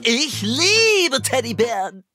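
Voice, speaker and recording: A woman's voice: on the high side, big pitch swings, slow, sharp tone, faint music behind, full character voice. A woman voicing a gushing, sweetly greedy female bandit in a children's cartoon. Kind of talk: animated children's cartoon acting.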